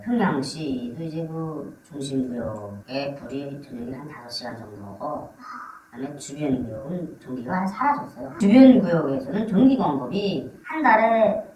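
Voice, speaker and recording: Voice disguised and pitched down, lively intonation, crowd noise behind. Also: normal speed, echoey room, recorded from a distance, low-quality recording. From North Korea. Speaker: interview guest. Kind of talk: interview answers.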